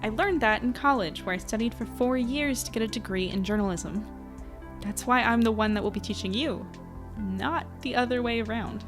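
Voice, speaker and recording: A woman's voice: on the high side, normal speed, over music, natural voice. A woman playing a responsible, exasperated small-town newspaper reporter in a naturalistic audio drama. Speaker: podcast drama actress.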